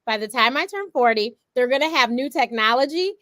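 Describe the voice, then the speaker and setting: A woman's voice: high-pitched, animated, fairly quick, fairly bright tone, dry recording, studio quality. A woman in her forties hosting a talk show, who tells a story with animation and acts out her own quotes. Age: 40s. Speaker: host. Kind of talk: casual talk show chat.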